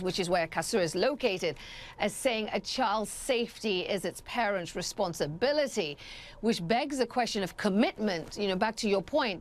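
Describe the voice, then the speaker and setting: A woman anchoring a news broadcast who introduces a guest and asks poised, probing questions. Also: mid-range voice. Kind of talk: news interview.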